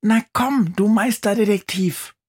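Storybook mouse: small, plucky, high and squeaky, played by a man, husky, unhurried. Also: exaggerated voice. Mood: urgent. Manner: high squeaky urgent calls. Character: plucky female mouse sidekick, tiny and quick.

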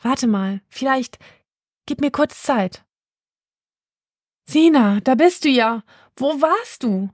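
Brief: woman voicing a practical young girl in an audio story, urgent and commanding, a bit above her own pitch. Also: lively intonation, slow, pauses often, husky, dry recording, clean studio sound, full character voice.

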